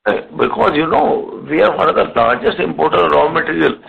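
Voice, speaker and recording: A man with an Indian accent answering questions as a company executive on an earnings call, in a halting way with repeated words. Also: fairly high pitch, lively intonation, gravelly, breathy edge. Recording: muffled narrow phone conference line.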